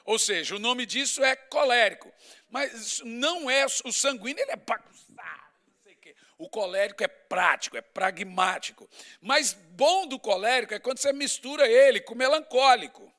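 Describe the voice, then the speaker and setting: Pastor guy preaching, high voice, chatty and emphatic, piles up lists. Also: expressive, normal speed, pushed and bright. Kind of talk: sermon.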